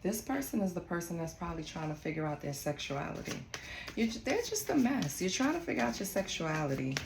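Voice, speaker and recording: Swearing freely and talking bluntly, this woman from Costa Rica does a casual tarot reading. She speaks fairly quickly in a lowish voice, in an echoey room with steady background noise.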